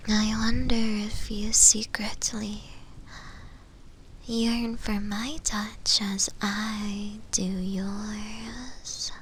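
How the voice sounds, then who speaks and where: A woman voicing a possessive, flirty shadow demon in breathy, intimate ASMR whispers, halting and coaxing. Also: mid-range voice, flat delivery, fairly bright tone, a little hiss or hum. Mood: yearning, flirty. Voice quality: breathy, almost entirely whispered. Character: flirty, possessive female shadow demon, shy yet obsessive. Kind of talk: whispered ASMR roleplay for sleep.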